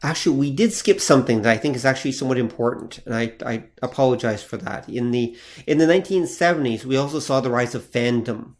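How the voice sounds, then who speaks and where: A man's voice: mid-range voice, fast talker, few pauses, a little mellow. A man co-hosting a podcast, talking loosely and steering the conversation along. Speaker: podcast co-host. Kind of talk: casual podcast discussion.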